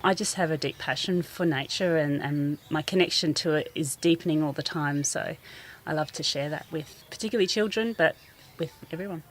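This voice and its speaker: New woman, low voice, earnest garden teacher, faint outdoor hiss. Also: brisk, few pauses. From New Zealand. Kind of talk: radio interview, outdoor.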